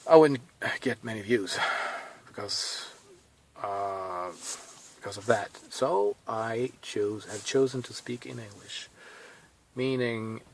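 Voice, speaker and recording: A man in his thirties with a Swedish accent, talking casually to camera from inside a car, thinking aloud with pauses and restarts. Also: fairly low pitch, vocal fry. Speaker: vlogger.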